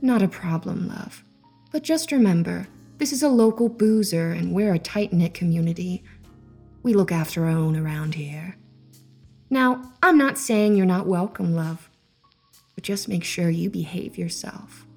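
A man voicing a stern, sharp-tongued woman pub landlady. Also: high-pitched, a little slow, vocal fry, faint music behind, pitched above the performer's own voice, full character voice. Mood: warning.

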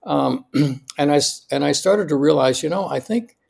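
An American man in his sixties speaking as a podcast guest in a conversational, emphatic way, often checking in with a quick "right?". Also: fairly high pitch, gravelly, husky. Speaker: podcast guest, longevity doctor. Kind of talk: conversational interview, personal anecdotes.

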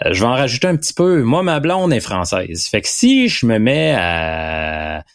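A man's voice: medium pitch, wildly swooping pitch, normal speed, no room sound, clean studio sound. A man with a Québécois French accent, co-hosting a sports show with easygoing, agreeable banter. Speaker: sports podcast co-host. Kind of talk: casual chat.

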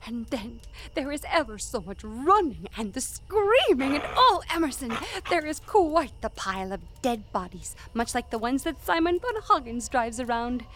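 A woman tells the story in a breathless, whimsical way. Her voice sits high and moves with a lively lilt, over a faint background hiss. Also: normal speed, hardly any pauses. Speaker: narrator. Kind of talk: storytelling narration.

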